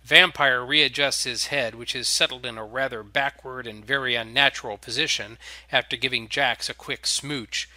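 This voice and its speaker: A man's voice: medium pitch, fairly even intonation, moderate pace, pushed and bright, dry recording. A man reading scripted story narration in a theatrical manner.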